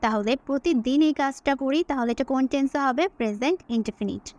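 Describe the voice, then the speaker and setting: A woman with a Bengali accent teaching English, slowly dictating phrases word by word and explaining them, asking herself questions and answering them. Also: sits high, a little mellow, muffled recording. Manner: asks and answers her own questions. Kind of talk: slow dictation-style English lesson.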